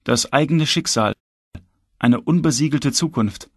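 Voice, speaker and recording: A man reading an audiobook in measured, tense first-person narration. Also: medium pitch, slightly rough, no room sound, studio quality. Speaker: audiobook reader.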